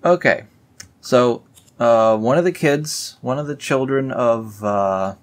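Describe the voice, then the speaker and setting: A man's voice: mid-range voice, slow pace. A young man reading scripture aloud in a lifted, formal tone, breaking off into dry, mocking asides and rambling commentary. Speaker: reader and commentator.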